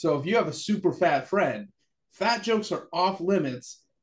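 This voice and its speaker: A man with an American accent has an unremarkable speaking voice and lively intonation. He talks at a fairly slow pace against a quiet background. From California. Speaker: pastor. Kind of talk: casual chat. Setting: video call. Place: home room. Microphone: video call.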